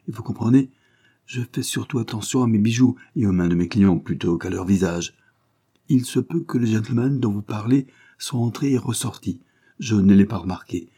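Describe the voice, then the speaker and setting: A man's voice: on the low side, dark tone, husky. A man voicing a fat, shifty male jeweler who answers in a hesitant, evasive way.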